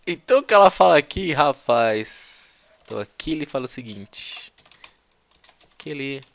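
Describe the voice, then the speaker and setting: A man's voice: on the high side, lively intonation, normal speed, vocal fry, fairly bright tone. A man with a Brazilian Portuguese accent, teaching English in a casual, chatty way and peppering his explanations with slang.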